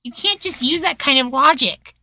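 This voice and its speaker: A man playing a young, submissive and loyal boywife in a roleplay, soft, hesitant and pleading. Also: extremely high pitch, moderate pace, voice pushed up, heavily acted. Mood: defensive. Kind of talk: roleplay ASMR acting.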